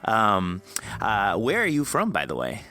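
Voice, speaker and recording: A man's voice: on the low side, wildly swooping pitch, unhurried, sharp tone. A man hosting a podcast in a casual, effusive, rambling and jokey interview style. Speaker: podcast host.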